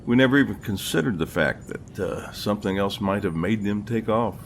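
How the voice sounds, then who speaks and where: A man playing a seasoned old captain in an audio drama, telling his story in a steady, folksy, unhurried way. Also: fairly low pitch, slight background noise. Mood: reflective. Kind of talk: audio drama narration and dialogue.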